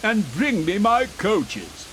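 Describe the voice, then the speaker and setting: A man's voice: high-pitched, huge pitch swings, slow, noisy background, voice pushed up, exaggerated voice. A man voicing a pompous, bossy big express engine in a children's storybook tale. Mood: impatient, bossy.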